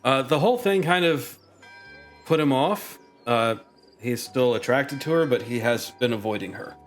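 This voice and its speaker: A man running a tabletop game, halting and filling gaps with ums and uhs. His voice sits at an ordinary middle pitch, and soft music plays behind. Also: expressive. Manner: hesitant, many ums and uhs. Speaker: game master.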